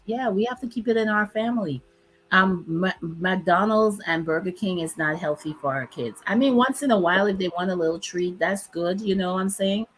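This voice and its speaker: A woman's voice: medium pitch, moderate pace, slight background noise, rough recording. A woman from Dominica, hosting a casual chat, talkative, laughing often and stretching words for emphasis. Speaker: host.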